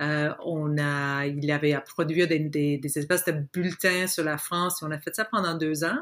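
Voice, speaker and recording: A woman speaks with a very deep, low pitch and fairly even intonation. Her pace is moderate, and she hardly pauses at all. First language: English (speaking French). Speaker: journalist and author. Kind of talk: interview. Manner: halting, many repetitions and fillers.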